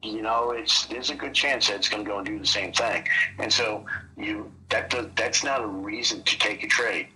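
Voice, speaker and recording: A man's voice: lowish voice, moderate pace, sharp tone, a little hiss or hum, low-quality recording. A man explaining trading casually on a call, rambling and leaning on "you know" between thoughts. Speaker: trading mentor.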